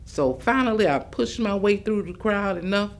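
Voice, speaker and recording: A woman's voice: medium pitch, lively intonation, normal speed, natural voice. A woman actor performing a defiant Black civil rights picketer's folksy, emphatic recollections, as a staged reading. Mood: vivid recollection. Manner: plainspoken, folksy, emphatic storytelling. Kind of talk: staged reading of oral history.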